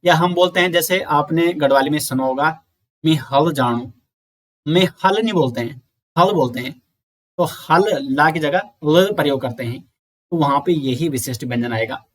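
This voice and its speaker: A man giving an exam-prep lecture, explaining slowly, repeating sounds and counting aloud. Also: a little high. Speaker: teacher.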